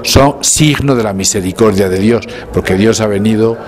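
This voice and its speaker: A man's voice: on the low side, normal speed, crowd noise. A man in his fifties, a priest, giving an earnest, emphatic spoken summary of a talk into a handheld recorder, sometimes restarting his phrases. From Bolivia. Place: indoors, before a painted mural. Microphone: handheld recorder held close.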